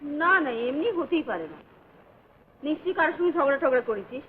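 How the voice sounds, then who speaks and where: Middle-aged scolding mother; very high, animated, tinny vintage film audio. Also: a little fast. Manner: scolding, insistent. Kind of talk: 1950s film acting. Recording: tinny old film soundtrack with hiss.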